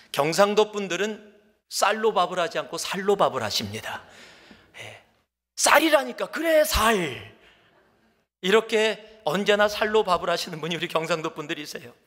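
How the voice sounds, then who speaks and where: A man's voice: high-pitched, long reverb tail. A man from Korea preaching a Sunday sermon in a church, telling stories animatedly and dropping at times to a whisper. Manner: animated storytelling, acts out dialogue, drops to whispers. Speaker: pastor. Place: church sanctuary.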